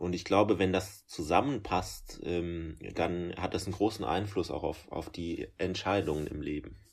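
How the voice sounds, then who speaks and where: A man's very deep, low voice with ordinary pitch variation and hardly any pauses. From Germany, Palatinate (Neustadt an der Weinstraße). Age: 30s. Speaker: concert pianist and composer. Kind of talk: interview.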